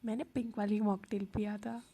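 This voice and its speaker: A woman's voice: mid-range voice, level tone, normal speed, dark tone, slightly rough. A woman voicing a drunk, childish young woman student who pleads and whines in a babyish way. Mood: drunk, whiny.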